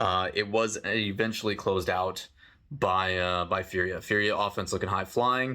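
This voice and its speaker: Against a silent background in a very clean recording, a man speaks at a moderate pace with a fairly low pitch. His tone is bright and sharp, his loudness very even and his intonation fairly even. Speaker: esports content creator. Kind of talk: recap commentary. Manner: casual, many fillers.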